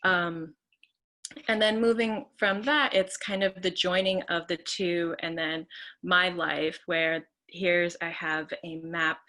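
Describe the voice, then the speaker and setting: A young woman from Queens, New York presenting her artwork on a video call, casual with many fillers and soft trailing asides. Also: lowish voice, fairly even intonation, takes it slowly. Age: young adult. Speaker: artist presenting her work. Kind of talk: online artist talk. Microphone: computer mic on a video call.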